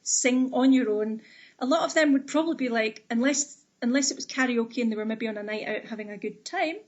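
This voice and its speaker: A woman's voice: on the high side, a little fast, muffled recording. A woman interviewing a guest, asking long, chatty questions. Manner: chatty, conversational, rambling questions.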